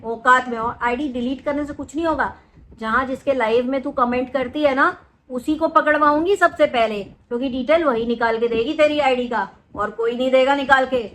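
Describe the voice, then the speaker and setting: A woman's voice: sits high, a bit bright. A woman vlogger in a direct-to-camera rant, scolding and threatening her critics, repeating phrases for emphasis.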